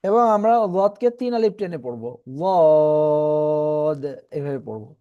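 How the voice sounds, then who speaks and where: A man teaching Quran reading in an online class, patiently explaining and slowly repeating letter sounds for his students. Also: sits high, very animated, mellow, muffled recording.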